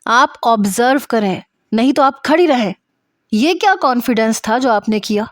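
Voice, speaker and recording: A woman's voice: medium pitch, no room sound, natural voice. Stern male senior doctor played by a woman narrator, harsh and emphatic, dressing down a trainee, dry close sound. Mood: loud, furious.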